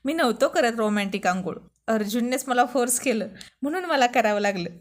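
A woman's voice: fairly high pitch, expressive, brisk, lightly acted. A woman voicing a mischievous, joking young man in a spoken storybook. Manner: joking, defensive.

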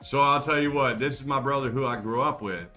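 An older man chatting on a podcast, a long-winded and animated storyteller who breaks into loud outbursts. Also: medium pitch, brisk, faint music behind. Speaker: podcast guest. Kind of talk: casual podcast chat.

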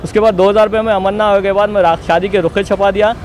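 Speaking fast in a high-pitched, steady voice, a young adult man with a Hyderabadi accent gives his testimony to local reporters. He stays insistent and repetitive, defending himself, while street noise carries in from behind the outdoor street wall where he stands.

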